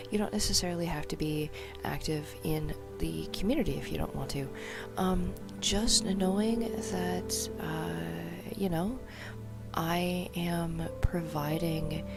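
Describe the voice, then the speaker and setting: A woman hosting a meditation livestream, talking in a soft half-whisper with many ums. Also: sits low, gravelly. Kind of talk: soft-spoken casual chat. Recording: loud music behind the voice. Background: music.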